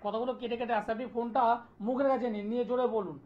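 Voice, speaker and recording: A man, an astrologer hosting a live TV call-in show, delivering an insistent, repetitive pitch and taking callers' details. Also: fairly even intonation, rapid-fire. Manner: insistent, repetitive sales pitch, listing place names. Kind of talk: live TV promotional talk and phone call-in. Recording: dull lo-fi broadcast sound.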